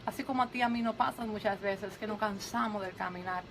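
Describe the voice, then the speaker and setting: A woman's voice: medium pitch, fairly even intonation, fast, noisy background. A woman co-hosting a Christian radio program, adding amens and preaching earnestly from scripture. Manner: answers with soft amens, then preaches earnestly. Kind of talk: radio preaching with spoken affirmations.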